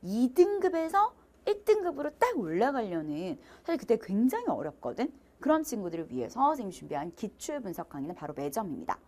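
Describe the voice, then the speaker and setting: A lively woman lecturer promotes her exam prep course, her voice rising and falling widely as she mixes polite speech with casual student talk. She often acts out short quoted lines from students and herself. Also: on the high side, fairly quick. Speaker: Korean exam prep teacher.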